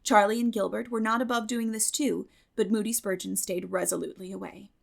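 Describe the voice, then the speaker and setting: A woman audiobook narrator reading literary fiction expressively, with measured storytelling phrasing. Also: medium pitch, fairly even intonation, gravelly.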